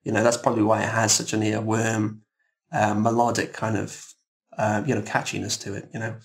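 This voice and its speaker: A man speaking casually as a composer guest in a roundtable interview, explaining things in a halting, thoughtful, rambling way. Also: fairly low pitch, completely flat delivery.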